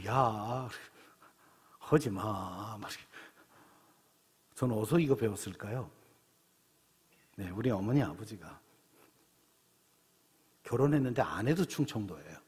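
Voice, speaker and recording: A middle-aged pastor from Seoul, preaching a sermon in a church in a chatty storytelling way, full of rhetorical questions. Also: male voice, mid-range voice, breathy edge. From Seoul, South Korea. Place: church sanctuary. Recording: long church reverb.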